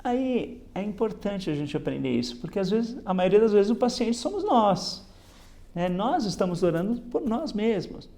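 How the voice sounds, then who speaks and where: A man's voice: high voice, big pitch swings, normal speed, mellow. A man explaining a Bible lesson in a reflective way, reading passages aloud and adding "né?" as he goes. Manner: reflective, repeats "né?" often, reads passages then explains. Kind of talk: spoken Bible lesson commentary.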